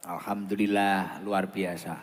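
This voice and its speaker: A man with a Javanese accent preaching informally over a PA at a large gathering, chatting and bantering with the crowd as he repeats phrases. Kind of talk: informal sermon with asides to the crowd. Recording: long booming reverb of an outdoor PA.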